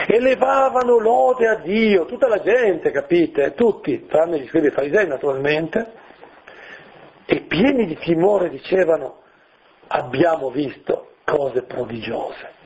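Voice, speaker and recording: A middle-aged priest delivers a sermon in a loose, conversational way, often turning to his listeners with questions. His voice sits high for a man. The sound is dull and lo-fi, as if from an old radio broadcast. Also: expressive, measured pace, darkish tone. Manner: conversational preaching with acted-out voices and rhetorical questions.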